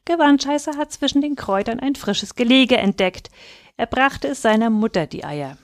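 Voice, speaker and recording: A woman's voice: a little high, lively intonation, normal speed, dry recording, clean studio sound, voice pushed up, lightly acted. A woman voicing Fatima, an indignant tribal wife who insists and accuses. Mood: accusing.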